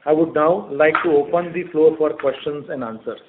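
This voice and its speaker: A man's voice: a little high, moderate pace, noisy background. A man with an Indian accent formally reading a scripted financial report as a company executive on a conference call. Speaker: company executive presenting results. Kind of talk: scripted earnings report read aloud. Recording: muffled narrowband conference phone line.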